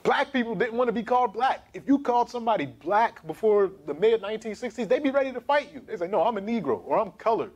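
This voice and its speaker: Animated man lecturing on history. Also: high voice, fast talker, few pauses. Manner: animated, emphatic, gesturing while pacing. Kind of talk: lecture to camera. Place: small studio with screen.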